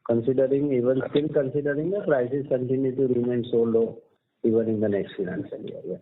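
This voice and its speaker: A man's voice: mid-range voice, steady tone, fairly quick, slight background noise. A man with an Indian accent answering investor questions as a company executive on an earnings call, explaining things step by step. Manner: explanatory, uses tags like "right?" and "so to say". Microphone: conference call line. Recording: muffled narrow-band conference phone line.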